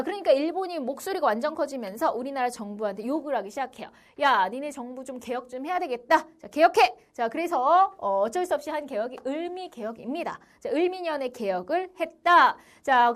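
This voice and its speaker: Woman, young adult, history teacher, online lesson, high voice, very lively intonation, constant "자" filler, acts out quotes. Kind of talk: online lecture for middle school students.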